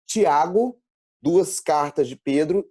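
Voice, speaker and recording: A man's voice: a little high, expressive, slow, a little mellow, dry recording. A young Brazilian man teaching a Sunday school lesson to teenagers, explaining step by step and checking in with the class. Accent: Brazilian Portuguese. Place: church classroom.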